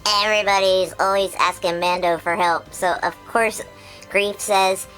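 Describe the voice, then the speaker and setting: A woman voicing an excitable, childlike male creature who hosts a chatty episode recap, bubbly and full of giggles and squeals. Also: mid-range voice, measured pace, soft background music, natural voice, low-quality recording. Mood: excited recap. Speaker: recap host.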